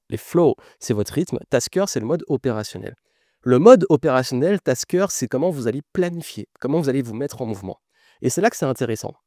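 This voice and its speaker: Author, male, warm mellow voice, chatty enthusiastic explainer, dry close sound. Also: mid-range voice, dry recording. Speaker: author presenting his book. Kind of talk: casual explanatory talk to camera.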